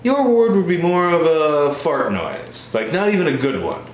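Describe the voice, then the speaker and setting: Man playing both parts as a smug, animated twin brother. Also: a little high, moderate pace, pitched above the performer's own voice. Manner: smug, pedantic. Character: smug, boastful, pedantic older twin brother. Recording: roomy echo with faint noise.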